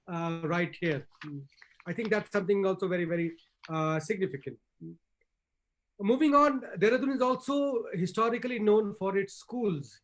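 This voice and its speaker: High-pitched man with an educated Indian accent. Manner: formal, measured, ornate phrasing. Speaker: panel speaker, forest service officer. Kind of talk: formal conversational talk on history.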